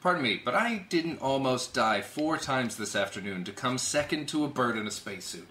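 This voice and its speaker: A man voicing a cocky, childish, excitable male space adventurer in a cartoon table read, brash and sarcastic. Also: mid-range voice, normal speed, slight background noise. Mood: indignant.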